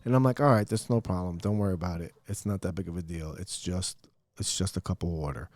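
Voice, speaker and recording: A middle-aged man with a deep voice, telling loud, profane family stories in a casual podcast chat. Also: quick pace, dry recording, clean studio sound. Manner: loud, profane, animated storyteller. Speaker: podcast host.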